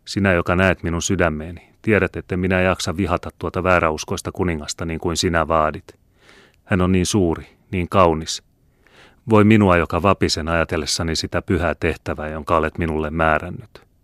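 A man's voice: deep voice, steady tone, fairly bright tone, no echo, clean studio sound. A man reading the part of a young captive noblewoman, respectful and anguished. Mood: anguished prayer. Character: young noblewoman prisoner, torn and tearful.

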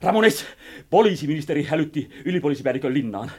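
A man's voice: a little high, lively intonation, slightly rough. An actor playing an eager, agitated male messenger in a radio drama, talking urgently. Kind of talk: 1960s radio drama acting.

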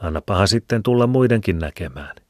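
A man's voice: lowish voice, lively intonation, no echo, voice pushed up, close to an everyday voice. A man voicing a stubborn, grumbling old village shoemaker with a rambling, folksy way of talking, in a dry close recording. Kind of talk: audiobook reading. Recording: dry close studio sound.

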